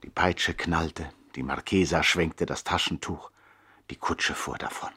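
A man narrating a 1960s German radio play in a measured, dramatic literary style. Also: rumbling low, steady tone, bright, forceful tone, a little hiss or hum.

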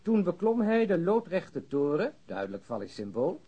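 A man's voice: high-pitched, very animated, moderate pace, warm tone, slightly rough, highs cut off, exaggerated voice. An actor playing a wry, bookish male detective in a radio drama, with an opinionated, sardonic way of talking. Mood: mocking.

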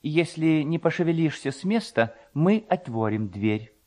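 Casting: male narrator as wary rustic clerk, superstitious, hesitant, wordy, lively intonation, storybook delivery. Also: a little high, measured pace, pitched above the performer's own voice.

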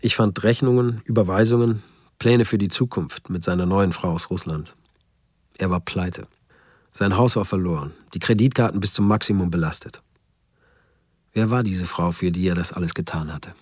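An actor playing a regretful friend, narrating a radio drama in a sober, reflective, husky voice. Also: male voice, deep voice, moderate pace, dry recording, clean studio sound. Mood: sombre, reflective. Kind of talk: scripted first-person radio drama narration.

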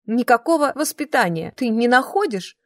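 A woman's voice: a little high, very animated, moderate pace, no echo, clean studio sound, pitched above the performer's own voice. A woman voicing a seductive woman professor who speaks in a charming, sing-song manner. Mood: coy. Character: seductive long-legged woman professor, coy.

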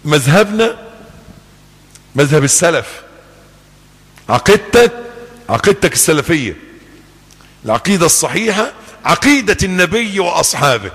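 A man preaching a sermon with an Egyptian accent, acting out back-and-forth dialogues with his listeners in an animated way. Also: fairly high pitch, normal speed, long pauses, slightly rough, in a large hall. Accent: Egyptian Arabic.

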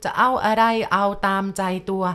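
A woman telling a first-person ghost story at a slow, confiding pace, speaking straight to the listener. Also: fairly bright tone.

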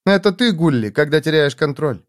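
A man voicing a fierce, sharp-tongued young woman in a storybook reading, mocking and commanding. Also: lively intonation, a little fast, natural voice. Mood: reproachful. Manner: mocking, commanding, shrill when angry.

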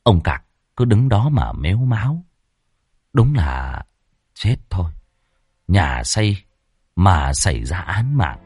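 A man narrating a ghost story in a lively, expressive, dramatic way. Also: sits low, takes it slowly, pauses often, breathy edge, no room sound, studio quality.

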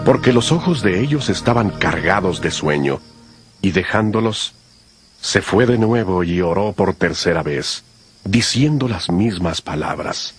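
A man's voice: low voice, lively intonation, measured pace. A man narrating scripture from a script in a solemn style, as part of a dramatized audio Bible. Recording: music behind the voice.

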